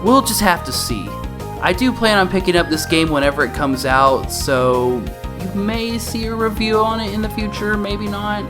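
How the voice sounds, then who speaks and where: A man's voice: sits high, normal speed, music in the background. A man giving casual, informal video game commentary as a review host, mildly sweary.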